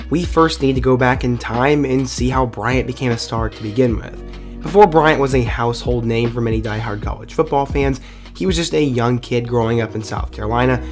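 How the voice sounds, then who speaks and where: A man hosting a sports video channel, reading a scripted narration in an upbeat, conversational fan tone while getting over the flu. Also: mid-range voice. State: recovering from the flu. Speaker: YouTube sports video host.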